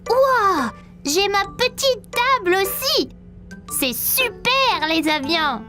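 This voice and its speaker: A woman's voice: very high voice, takes it slowly, exaggerated voice. A woman voicing a curious, cheerful four-year-old boy in a dubbed cartoon, eager and full of questions. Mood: amazed. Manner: eager, excited, asks lots of questions. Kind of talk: French-dubbed cartoon acting. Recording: with children's music behind.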